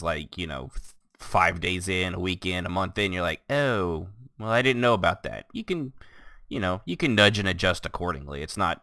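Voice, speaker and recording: A man hosting a casual gaming podcast, rambling and restarting his sentences, quick to laugh. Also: low voice, pushed and bright, no room sound, studio quality. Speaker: podcast host. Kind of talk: casual chat.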